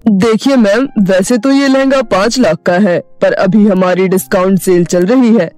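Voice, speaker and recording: A woman voicing a polite male salesman in a clothing shop, pitching a price in an animated story. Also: moderate pace, no room sound, soft background music, close to an everyday voice, low-quality recording. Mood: salesy.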